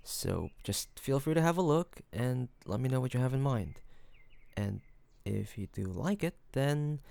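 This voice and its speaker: Picture a smitten mafia boss acted by a man in a romantic audio roleplay. He talks slowly and haltingly, bashful yet courteous. The voice has a crackly low fry and sits close and dry, with no room around it. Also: expressive, no room sound. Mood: shy, tender. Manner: halting, soft-spoken, bashful hesitations.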